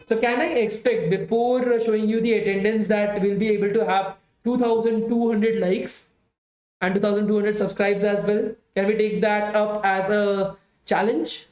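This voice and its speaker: A man's voice: high voice, flat delivery, moderate pace, darkish tone, echoey room, low-quality recording. A man, a tired bootcamp instructor with a strained voice, wrapping up a live coding class and chatting with students. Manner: chatty, repeats "guys" often, pleads for likes. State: tired, strained voice from hours of talking.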